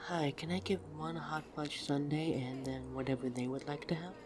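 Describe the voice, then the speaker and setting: A woman's voice: low voice, fairly even intonation, music in the background, natural voice. A woman playing a shy, flustered, affectionate date in an intimate, hesitant romantic ASMR roleplay. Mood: relaxed, friendly. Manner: awkward, hesitant, halting delivery. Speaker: audio roleplay voice actor.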